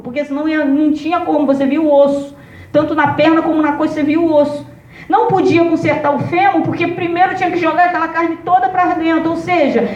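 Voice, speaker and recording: A woman's voice: very high-pitched, slight background noise. A woman pastor telling an emotional testimony in a sermon, calling on listeners by name. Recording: roomy, distant, dull sound.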